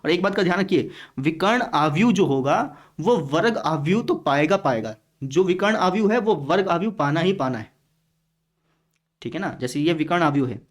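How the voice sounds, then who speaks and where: A man teaching a math lesson in a conversational classroom style, with a Hindi-speaking north Indian accent, often asking his students if they are following and answering in their voice. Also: on the high side. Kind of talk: classroom lecture.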